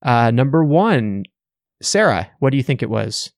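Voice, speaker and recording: Creaky-voiced man hosting a casual quiz. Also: mid-range voice, sing-song, measured pace, dry recording, clean studio sound. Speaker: quiz host.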